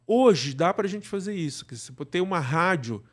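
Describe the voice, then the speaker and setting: A middle-aged Brazilian man with a fairly high voice rambles casually as a podcast guest, often adding small check-in questions to his thoughts. He's animated and talks at normal speed.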